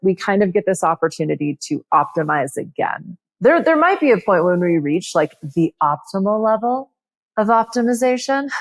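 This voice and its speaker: The voice swings very widely in pitch. The recording is dry, close, and very clean, with no echo and a silent background. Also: woman. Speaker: podcast host and coach. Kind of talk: solo podcast monologue. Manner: loud when excited.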